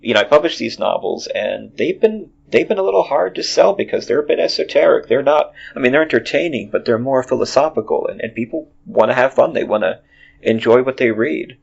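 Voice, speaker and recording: A man's voice: medium pitch, lively intonation, a little fast, vocal fry, slightly rough. A man in his forties hosting a podcast, talking in a rambling way with many restarts. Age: 40s. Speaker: podcast host. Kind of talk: casual chat. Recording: dull lo-fi audio.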